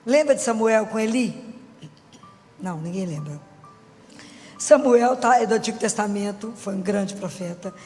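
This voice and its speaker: A woman's voice: medium pitch, expressive, moderate pace, pauses often, a little mellow. Chatty Minas Gerais woman preaching in a hall. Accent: Minas Gerais Brazilian Portuguese. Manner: chatty, keeps asking the audience for agreement. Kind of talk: conversational sermon. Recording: long hall reverb with faint music.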